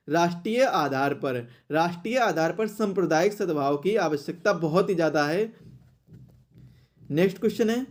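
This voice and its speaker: A man's voice: sits high, a little mellow. A man teaching an exam question-and-answer lesson, explaining and repeating phrases for emphasis.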